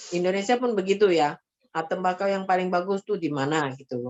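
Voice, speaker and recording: In a Mandarin accent, a woman speaks with a fairly low pitch. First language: Mandarin (speaking Indonesian). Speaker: health product seller and online class teacher. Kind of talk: online class presentation. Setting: video call. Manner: hesitant, many fillers.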